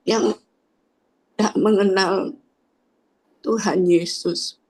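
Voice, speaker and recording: Woman sharing her church testimony, slow and halting, kinda husky, keeps trailing off with fillers. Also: medium pitch, fairly even intonation, darkish tone, poor audio. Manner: hesitant, trailing phrases with frequent tag fillers. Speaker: church member giving testimony. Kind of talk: personal faith testimony.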